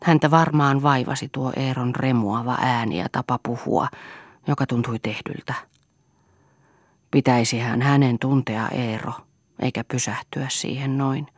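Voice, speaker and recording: A woman reading a novel aloud in a calm, measured narration. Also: very deep voice, dry recording, clean studio sound. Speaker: audiobook reader.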